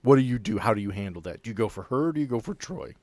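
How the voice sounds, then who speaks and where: A man's voice: fairly low pitch, expressive, racing, a little mellow, no room sound. A man running a tabletop game as game master, improvising narration in a casual way.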